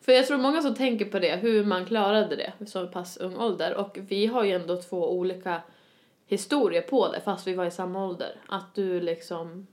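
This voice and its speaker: A woman's voice: mid-range voice, a little mellow. A woman in her twenties with a Swedish accent, co-hosting a podcast in casual chat, bubbly and laughing often. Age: 20s. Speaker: podcast co-host.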